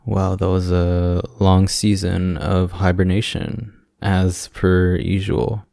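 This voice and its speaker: A man's voice: deep voice, little pitch movement, slow pace, gravelly, no room sound, studio quality, full character voice. A man playing an affectionate, playful boyfriend in an ASMR audio roleplay, teasing and sweet in manner. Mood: tender, playful. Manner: teasing, sweet, gently joking. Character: affectionate, playful young boyfriend visiting hospitalised partner.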